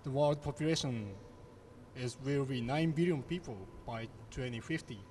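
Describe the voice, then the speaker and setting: A young man, moderating a panel with measured questions. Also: medium pitch, darkish tone, a little hiss or hum. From Japan.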